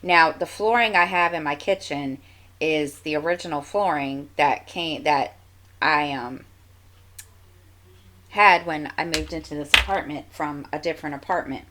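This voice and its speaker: Woman, low voice, stuffy nose, relaxed rambling crafting vlogger. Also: measured pace, slight background noise. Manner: chatty, meandering, many fillers and restarts. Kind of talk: casual rambling chat.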